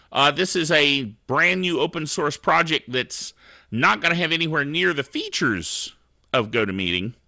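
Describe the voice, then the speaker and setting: Animated, gravelly tech podcast host. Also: male voice, fairly high pitch, no echo, clean studio sound. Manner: chatty and animated, laughs at his own jokes. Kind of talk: casual tech news commentary.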